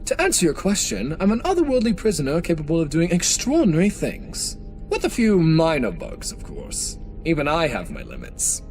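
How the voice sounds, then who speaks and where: An actor voicing an otherworldly, smugly playful and menacing demon hedgehog in a comic dub, speaking with theatrical mock politeness and drawn-out words. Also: male voice, fairly high pitch, wildly swooping pitch. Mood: smugly polite. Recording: loud music under the voice. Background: music.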